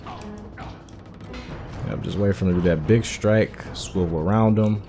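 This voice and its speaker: A man hosting a game playthrough, giving relaxed, rambling commentary full of fillers. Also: fairly low pitch, measured pace, over music. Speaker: gaming host. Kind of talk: casual gameplay commentary.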